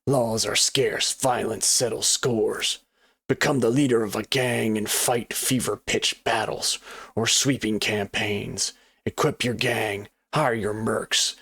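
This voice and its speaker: A man putting on the voice of a dramatic movie-trailer announcer, reading in a slow, drawn-out, ominous way. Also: on the low side, gravelly, a bit bright, breathy edge, exaggerated voice.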